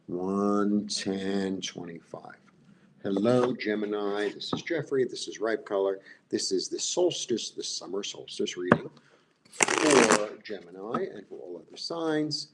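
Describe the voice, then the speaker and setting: Doing a live tarot reading, a man with a Brooklyn Jewish accent rambles and repeats himself, talking straight to viewers and asking them "right?" His voice is fairly low and slow-paced. There is noise in the background.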